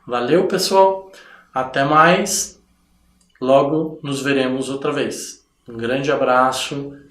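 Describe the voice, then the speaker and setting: A man from Brazil, teaching a recorded online biology lesson, explaining slowly and ending phrases with checking tags. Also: mid-range voice, steady tone, fairly bright tone, roomy sound. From southern Brazil.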